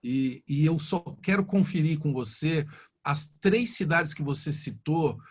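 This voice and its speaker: A man hosting a live interview over a video call, enthusiastic and quick with affirming interjections. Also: on the high side, breathy edge. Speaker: host.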